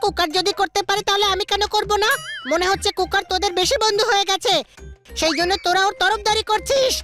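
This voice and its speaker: A very high, squeaky little cartoon boy, cocky and full of himself, humming and boasting between lines. The voice sits far above an adult's. Children's music runs behind it. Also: steady tone, fast talker. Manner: cocky, playful, hums a lot. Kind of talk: dubbed cartoon acting.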